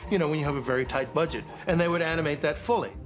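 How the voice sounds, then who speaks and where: A man's voice: fairly high pitch, rapid-fire. A man talking with enthusiasm in a documentary interview. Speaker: interviewee on animation history.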